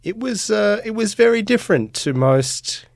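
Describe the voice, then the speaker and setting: A man's voice: high voice, expressive, normal speed, creaky, no room sound. A middle-aged man from Australia, a sports reporter talking casually on a podcast, with many fillers and restarts.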